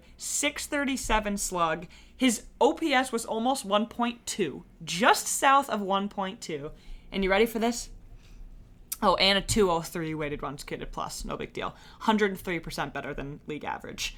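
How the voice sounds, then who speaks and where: A woman speaks at a moderate pace in an animated tone, her medium pitch swinging very widely and her loudness rising and falling sharply. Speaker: sports podcast co-host. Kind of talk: casual chat.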